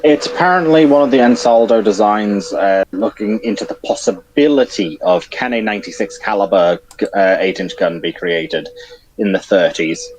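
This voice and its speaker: A man joining a live chat as a guest, speaking in a relaxed, matter-of-fact way. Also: on the low side, normal speed, poor audio.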